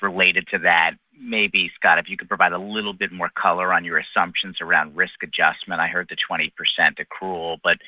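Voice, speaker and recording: A man's voice: deep voice, no echo. A man calling into an earnings call as an analyst, asking questions in a conversational, loosely phrased way. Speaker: financial analyst caller. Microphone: conference call line. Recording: dull phone-in conference audio.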